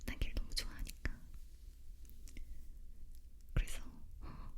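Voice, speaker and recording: A woman leaning in to whisper an ASMR story in a breathy, unvoiced voice, very close to the microphone. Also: normal speed. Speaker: ASMR creator telling a personal story.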